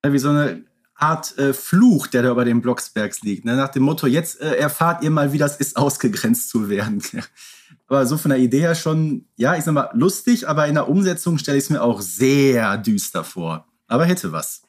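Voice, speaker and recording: A man's voice: mid-range voice, lively intonation, moderate pace. A man co-hosting a podcast, talking casually and colloquially, often adding little tag questions. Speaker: podcast co-host.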